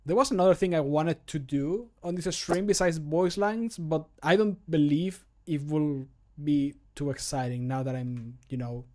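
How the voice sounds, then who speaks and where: Higher-pitched man chatting on a livestream. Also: normal speed, hardly any pauses, darkish tone. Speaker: streamer recording mod voice lines. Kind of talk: casual livestream commentary while working. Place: small home room with computer. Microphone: close desk microphone.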